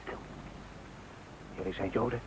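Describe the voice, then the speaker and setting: An actor playing a wary, hushed man offering shelter to fugitives in a radio drama. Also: a little slow, lightly acted. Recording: muffled, faintly noisy radio recording.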